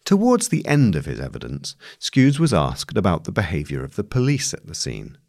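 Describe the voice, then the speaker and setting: Deep-voiced male narrator, expressive delivery. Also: normal speed, creaky. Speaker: narrator reading a long magazine article. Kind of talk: scripted long-form journalism narration.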